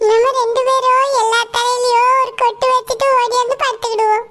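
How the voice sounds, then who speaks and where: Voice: very high-pitched, flat delivery, fairly quick, sharp tone. A performer voicing a mischievous little village girl in a cartoon, playful and conspiratorial, with a southern Tamil Nadu accent. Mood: playful scheming. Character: mischievous little village girls plotting pranks at bedtime. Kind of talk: Tamil cartoon character dialogue.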